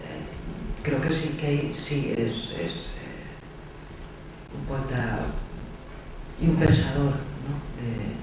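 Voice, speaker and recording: A man's voice: medium pitch, expressive, slow, long pauses. Male discussion speaker from a literary event, feeling for words, far from the mic amid noise. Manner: hesitant, searching for words. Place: echoey indoor hall at a public talk. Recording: distant, very echoey, noisy room.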